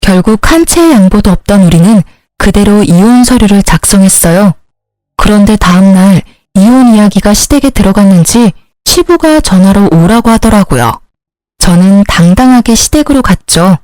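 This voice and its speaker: A woman's voice: medium pitch, animated, moderate pace, warm tone, no echo. A woman narrating a first-person family drama story in a matter-of-fact, confiding way.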